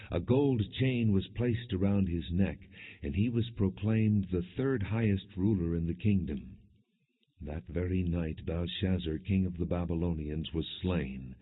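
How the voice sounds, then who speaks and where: A man narrating scripture as an audiobook in a solemn, measured way with deliberate pauses. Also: deep voice, breathy edge. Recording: muffled phone-like lo-fi audio.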